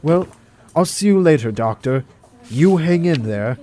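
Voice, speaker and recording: A man's voice: on the high side, animated, measured pace, mellow, slight background noise. A man playing an earnest, kindly doctor in an amateur audio drama. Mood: upbeat, caring.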